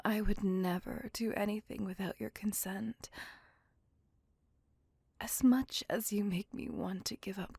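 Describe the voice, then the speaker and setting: A woman voicing a courteous, possessive female vampire on a date, speaking in a soft, formal and reassuring whisper. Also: medium pitch, creaky, breathy edge, dry recording, exaggerated voice. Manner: formal, slow, intimate and reassuring. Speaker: voice actor. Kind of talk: ASMR roleplay.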